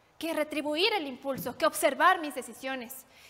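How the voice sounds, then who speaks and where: A woman's raised, projected voice carries a bright, sharp tone. She keeps a moderate pace with ordinary pitch variation. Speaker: stage actor. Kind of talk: theatrical monologue. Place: stage.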